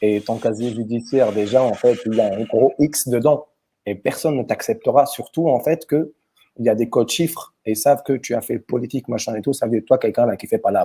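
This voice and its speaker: At a fairly quick pace, a man speaks with a dark, mellow tone at medium pitch and ordinary pitch variation. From Tunisia. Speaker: rapper, activist. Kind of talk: casual chat. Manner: animated; repetitive filler words.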